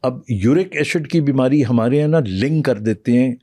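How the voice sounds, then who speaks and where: A doctor being interviewed on a podcast, patiently explaining in a calm way with pauses and fillers, sometimes switching to English phrases. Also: mid-range voice, no room sound.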